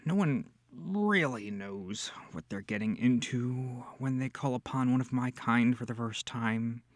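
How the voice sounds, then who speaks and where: A man plays a smug male incubus demon, seductive and theatrical, in an ASMR audio roleplay. His voice is gravelly and unhurried, teasing the listener from very close in a dry, echoless space. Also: medium pitch. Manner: theatrical, teasing, purring, breathy asides.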